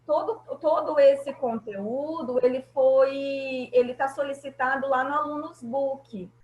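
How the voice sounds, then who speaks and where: A woman's voice: high voice, fairly even intonation, unhurried, a little mellow, roomy sound, lo-fi sound. A woman teacher with a Brazilian Portuguese accent, patiently explaining grammar in an online class and often checking that students follow.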